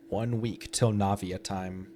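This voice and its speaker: A man's voice: lowish voice, a little mellow. A young man chatting on a gaming livestream, rambling and making puns while he laughs often. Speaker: streamer. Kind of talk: casual gaming livestream chat.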